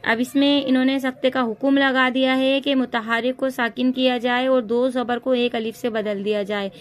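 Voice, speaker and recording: A woman's voice: sits high, steady tone, normal speed. A woman with a South Asian Urdu accent teaching Quran reading, spelling out syllables one by one and repeating them for her sisters. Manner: addresses listeners as sisters. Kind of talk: slow recitation lesson.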